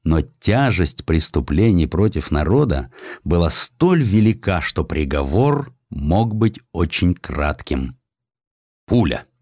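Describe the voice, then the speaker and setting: A man narrates a historical essay as an audiobook. His voice sits low, and his delivery is measured and grave, like serious dramatic storytelling. The sound is dry, with very little room in it. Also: a little mellow, no room sound.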